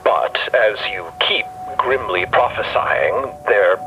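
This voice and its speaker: A grumpy skeptic robot, filtered n dull sounding, very up and down, audio drama. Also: male voice, on the low side, animated, takes it slowly, background noise. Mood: grim. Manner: grim, sardonic, incredulous. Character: bitter, skeptical male robot intellectual. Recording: band-limited robotic radio sound.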